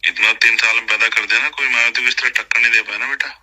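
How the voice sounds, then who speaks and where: Sharp, forceful man on a phone recording. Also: mid-range voice, steady tone, very fast. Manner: boastful, insistent, repetitive. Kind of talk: casual private phone conversation. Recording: tense, sharp leaked phone call recording. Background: played back from a call recording.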